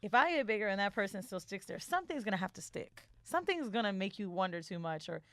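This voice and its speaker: A woman's voice: medium pitch, big pitch swings, fast talker, fairly bright tone. A woman co-hosting a podcast in casual, candid conversation, speaking frankly and informally with some swearing. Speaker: podcast co-host.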